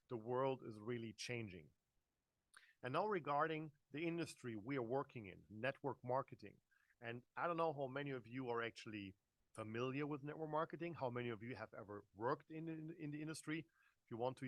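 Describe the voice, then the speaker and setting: A man's voice: medium pitch, fairly bright tone, no echo. A man in his forties with a German accent, giving a chatty live online business presentation, talking straight to his audience with many fillers and restarts. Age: 40s. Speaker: network marketing presenter.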